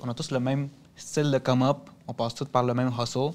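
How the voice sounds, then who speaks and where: Speaking at a moderate pace, a man uses a normal speaking voice at a medium pitch. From Venezuela. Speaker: DJ; guest. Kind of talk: casual interview. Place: studio.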